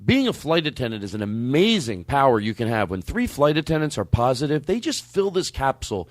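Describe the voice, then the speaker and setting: A man on a comedy podcast, energetic and storytelling in improvised chat, laughing as he goes. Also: medium pitch, brisk, dry recording.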